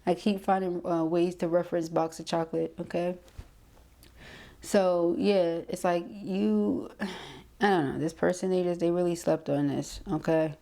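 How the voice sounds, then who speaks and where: Female tarot reader, lowish mellow voice, conversational delivery with frequent check-ins. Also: little pitch movement, unhurried, vocal fry. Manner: conversational, punctuated with frequent check-in tags like okay and right. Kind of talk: casual intuitive tarot reading to camera.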